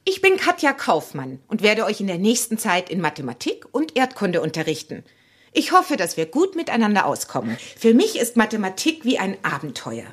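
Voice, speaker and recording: A woman's voice: mid-range voice, huge pitch swings, moderate pace, breathy edge. A woman playing a friendly, enthusiastic maths teacher in a children's audio drama. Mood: friendly, eager.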